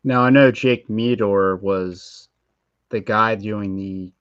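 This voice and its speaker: A man co-hosting a casual livestream, thinking aloud in a hedging, halting way. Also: lowish voice, no room sound, dull audio.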